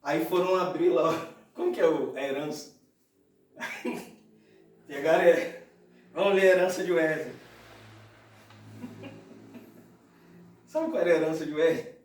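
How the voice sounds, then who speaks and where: Pastor preaching, high voice, big echo, mic kinda far away. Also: male voice, measured pace, long pauses. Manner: animated storytelling preacher, addresses listeners as brother. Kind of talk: sermon. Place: church hall. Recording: echoey church, mic far off.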